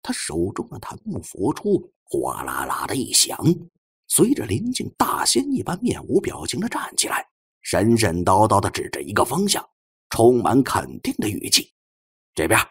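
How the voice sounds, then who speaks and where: A man narrating an audiobook as an animated, theatrical dramatic storyteller. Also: lowish voice, moderate pace, breathy edge. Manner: expressive, theatrical delivery.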